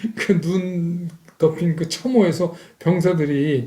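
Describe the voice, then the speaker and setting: This is a man speaking. His pitch is high for a man. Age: 60s. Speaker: stock market commentator. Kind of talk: market commentary monologue. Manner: casual, many filler words; conversational.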